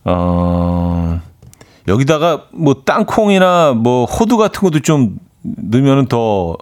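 A man's voice: mid-range voice, slow pace, clean tone. Laid-back rambling male radio DJ. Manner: relaxed, rambling, many fillers. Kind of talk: casual radio chat reading listener messages.

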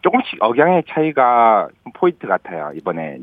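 An easygoing man in his thirties with a Jeolla accent, calling in to a radio show. His voice comes through a thin, phone-like line with no room sound, and his pitch rises and falls in a lively way. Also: normal speed, no room sound. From Gwangju, South Korea. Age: 30s. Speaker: caller. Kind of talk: phone-in chat. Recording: tinny dry phone line.

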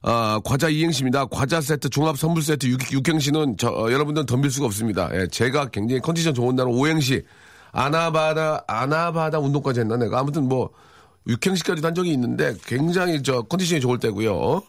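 A man in his forties hosting a live radio show, reading listener messages with dry, teasing deadpan humor. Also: mid-range voice, quick pace, no room sound. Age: 40s. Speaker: radio host. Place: radio studio. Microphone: studio microphone.

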